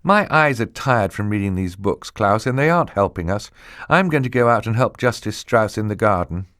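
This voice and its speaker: A man voicing an anxious teenage girl, higher voice. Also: expressive, moderate pace, fairly bright tone, no room sound, clean studio sound. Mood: earnest. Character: clever teenage girl, worried and thoughtful. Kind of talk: audiobook character voice.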